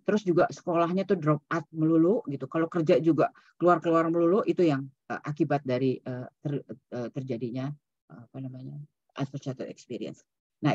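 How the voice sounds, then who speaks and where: A woman's voice: low voice, a little mellow, breathy edge, no room sound. Woman lecturing over lo-fi webinar audio. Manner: conversational, mixes in English terms, many "gitu ya" tags. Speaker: psychologist presenting at a seminar. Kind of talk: online seminar lecture. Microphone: video call.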